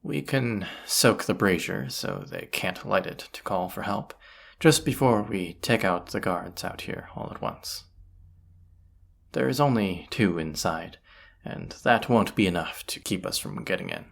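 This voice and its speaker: Voice actor as slow, gravelly, low-voiced bandit leader. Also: animated, heavily acted. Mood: focused, confident. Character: roguish bandit leader plotting a heist, grumbling yet confident. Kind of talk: fantasy audio roleplay acting, addressing the listener.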